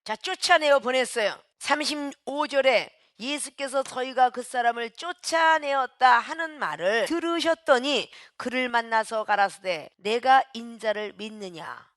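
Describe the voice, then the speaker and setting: A woman pastor preaching a sermon with emphasis, swinging between shouts and hushed, quiet lines and calling out to the congregation. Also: sits high, expressive, measured pace, few pauses, no room sound, clean studio sound.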